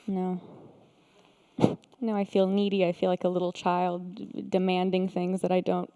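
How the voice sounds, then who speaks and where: A woman sharing a painful personal story, hesitant and halting, often pausing with fillers. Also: lowish voice, monotone, warm tone, clear, resonant tone. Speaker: participant, therapist.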